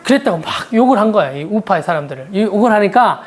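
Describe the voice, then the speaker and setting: A woman's voice: medium pitch, expressive, fast. A woman preaching a sermon in a conversational, storytelling way, posing rhetorical questions to her listeners.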